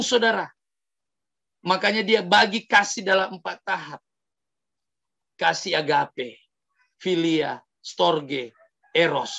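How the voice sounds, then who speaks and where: A male pastor telling a story in an animated sermon, often addressing the congregation directly. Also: high voice, vocal fry, dull audio. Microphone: livestream sermon mic.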